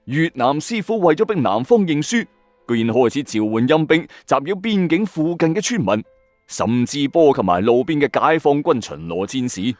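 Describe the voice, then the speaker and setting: A man with a Hong Kong Cantonese accent tells a spooky tale as the host. His pitch swings in a lively way, building suspense with colloquial asides. The voice is dry and close, with music playing underneath. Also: moderate pace, no echo. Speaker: host of a ghost story audio channel. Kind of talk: dramatic late-night storytelling narration. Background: background music.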